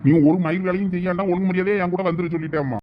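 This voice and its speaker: A man's voice: high voice, steady tone, racing, lo-fi sound, slight background noise, natural voice. A man in a village comedy skit, playing an impatient young son who bickers with his mother and friend. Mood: exasperated. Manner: exasperated, bickering.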